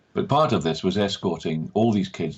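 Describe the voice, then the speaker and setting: A man with a Scottish accent speaks with vocal fry. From Scotland, Edinburgh. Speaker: actor. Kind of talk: interview storytelling.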